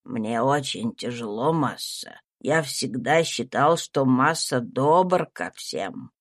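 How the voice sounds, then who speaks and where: A woman reading aloud, voicing a humble, devout old male servant who speaks slowly and sorrowfully. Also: extremely low pitch, lively intonation, dry recording, studio quality, pitched below the performer's own voice, full character voice. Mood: grave pleading. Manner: slow, pleading, sorrowful.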